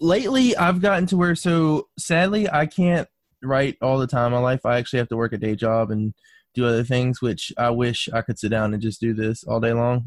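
A man talks in an ordinary speaking voice at a medium pitch, with lively intonation, a fairly quick pace and very even loudness. The sound is dry and close with no echo, on a very clean recording with a silent background. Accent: American. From US South, North Carolina. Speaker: novelist and audio drama writer. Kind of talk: interview conversation.

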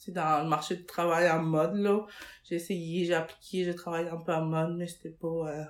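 The speaker has a Spanish accent and talks at a moderate pace. The intonation is monotone and flat, while the loudness swings a lot. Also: woman, fairly low pitch for a woman. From Chile. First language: Spanish (speaking French). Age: 30s. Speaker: plus-size clothing shop owner. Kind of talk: interview. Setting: living room on leather sofa.

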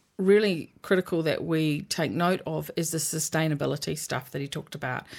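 Speaking at a fairly quick pace, a woman uses a normal speaking voice pitched fairly low. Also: very clean recording, silent background. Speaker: podcast co-host. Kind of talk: casual chat.

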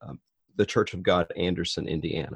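A man with a Southern US accent, recorded against a quiet background in a dry, close sound with no echo. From Richmond, Virginia. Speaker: Episcopal priest. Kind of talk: interview conversation.

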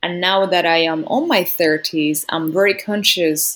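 Fairly slow, fairly even speech from a woman with a Spanish accent and a fairly low pitch. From Spain. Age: 30s. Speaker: podcast guest working in fintech.

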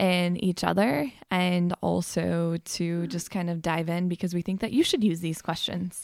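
A woman speaks at a moderate pace in an ordinary speaking voice, with fairly even intonation and a fairly low pitch. The recording is very clean, with a silent background. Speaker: podcast co-host. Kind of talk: casual chat.

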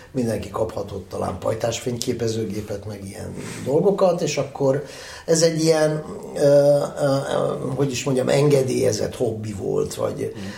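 Noticeable background noise and audible room echo fill the clip. A man is speaking at a moderate pace. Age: 60s. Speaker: visual artist and photographer. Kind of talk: interview. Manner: halting, many fillers.

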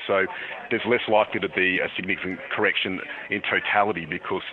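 Over noticeable background noise, a man with an Australian accent speaks at a fairly quick pace in a very deep, low pitch with monotone, flat intonation. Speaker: economist. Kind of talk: interview.

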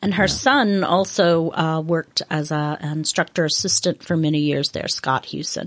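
In a dry, close sound with no echo but noticeable background noise, a woman with a very deep, low pitch talks with hardly any pauses. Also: ordinary pitch variation, moderate pace. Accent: American. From United States. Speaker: co-presenter, host's spouse. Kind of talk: casual chat.

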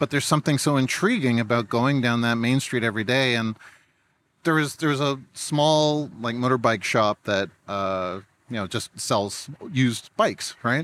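This man has an unremarkable speaking voice of medium pitch with ordinary pitch variation, delivered at a moderate pace on a very clean recording with a silent background. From Toronto, Canada. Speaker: UX design expert. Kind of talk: casual chat. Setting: outdoors on a bar rooftop.

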